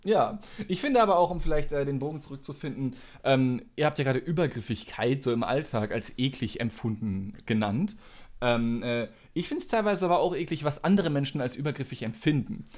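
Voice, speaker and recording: A young man from Germany in casual podcast chat, teasing his friends and telling animated stories. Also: medium pitch, a little fast. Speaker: podcast co-host.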